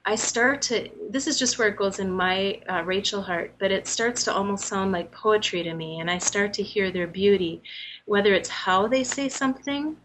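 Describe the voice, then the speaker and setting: Thoughtful woman therapist, gentle and reflective. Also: mid-range voice, moderate pace, a little hiss or hum, rough recording. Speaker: guest, therapist. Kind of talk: reflective interview answer.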